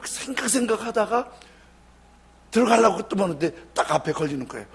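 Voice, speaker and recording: A man's voice: sits high, brisk, creaky, slightly rough. A male pastor preaching a sermon, telling stories and acting out the people in them. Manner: lively storytelling, acts out quoted people.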